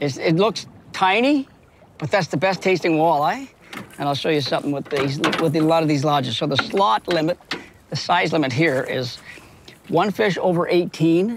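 Dry sound with no echo, light background noise, and a man at a moderate pace. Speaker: fishing show host. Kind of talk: casual fishing commentary. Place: boat. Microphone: lapel.

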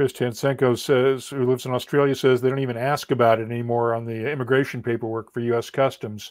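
A man's very fast, monotone, flat delivery. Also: hardly any pauses, quiet background. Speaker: whisky webcast host. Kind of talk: casual chat. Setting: live webcast. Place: home room.

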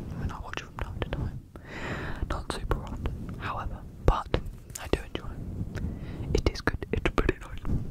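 A man whispering at a moderate pace, with long, frequent pauses. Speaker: ASMR content creator. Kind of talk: casual talk to camera. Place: home room. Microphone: studio mic.

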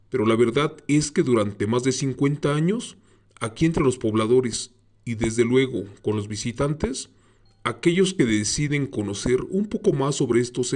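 A man speaks in an ordinary speaking voice at a medium pitch. His pace is fairly slow, with lively intonation. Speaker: horror story narrator. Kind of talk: scripted narration of a horror tale told in first person. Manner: slow, solemn, ominous storytelling.

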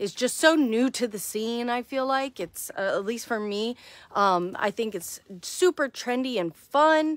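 At a fairly slow pace, a woman uses a normal speaking voice with a fairly high pitch and lively intonation, recorded dry with no echo. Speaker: boutique staff; boutique live-sale host. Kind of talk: live sales stream chat. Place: shop. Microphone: phone near.

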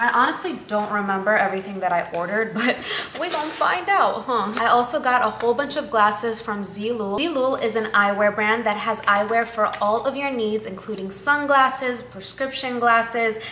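The woman's pitch varies in an ordinary way as she talks at a moderate pace. Light background noise and audible room echo are present. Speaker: lifestyle vlogger. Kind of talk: casual vlog chat. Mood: excited, cheerful. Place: kitchen. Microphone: camera far.

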